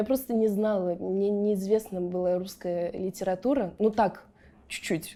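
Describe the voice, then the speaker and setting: A woman speaks in a dark, mellow tone at medium pitch. Her intonation is fairly even and her pace fairly slow. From France. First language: French (speaking Russian). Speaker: actress. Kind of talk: interview.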